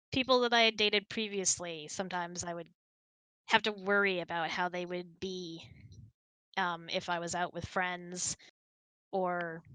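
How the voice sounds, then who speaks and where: Bright-voiced woman chatting casually. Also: lowish voice, clear, resonant tone, no echo. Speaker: host answering audience questions. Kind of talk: casual chat.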